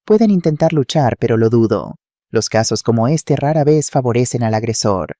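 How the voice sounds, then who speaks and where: A man's voice: mid-range voice, expressive, mellow, dry recording, clean studio sound, natural voice. A man voicing a composed female lawyer who speaks in firm, formal legal terms. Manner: formal, measured legal phrasing.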